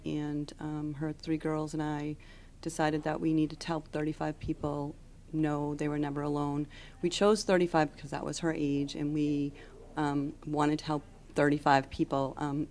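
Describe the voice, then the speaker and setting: A woman giving unscripted interview answers as a charity founder, explaining earnestly and haltingly. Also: sits low, a little mellow. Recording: on-location audio with background noise.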